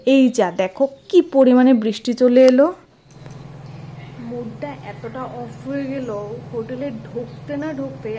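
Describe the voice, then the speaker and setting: A woman chats familiarly to her viewers as she narrates a casual travel vlog. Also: on the high side. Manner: chatty, addresses viewers familiarly. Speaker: travel vlogger, host. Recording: clearly noisy outdoor ambience. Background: ambient noise.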